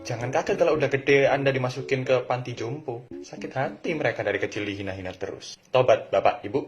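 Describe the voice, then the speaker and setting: A young man giving casual, preachy advice to parents and kids, animated and lively in delivery. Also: medium pitch, quick pace, highs cut off, faint music behind. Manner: animated, preachy, acts out quotes. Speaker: vlogger.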